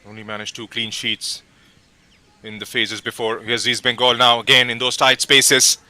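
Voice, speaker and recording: A man calls a football match live, his voice very bright and clear-edged. He speaks at an ordinary middle pitch and keeps an even, measured rhythm, naming each player as the ball moves. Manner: steady, measured calls with brief pauses between names. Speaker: football commentator. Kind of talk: live play-by-play commentary.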